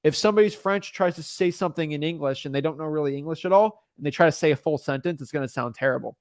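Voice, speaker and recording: A young real estate wholesaling coach talks fast in a fairly high voice, recorded cleanly in a studio with no echo. His casual talking-head advice rambles and repeats itself, packed with fillers and restarts.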